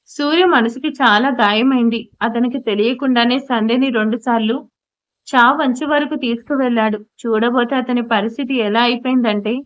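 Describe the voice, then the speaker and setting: A woman narrating an emotional audio story in a steady, scripted storytelling voice. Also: on the high side, normal speed. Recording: dull lo-fi audio.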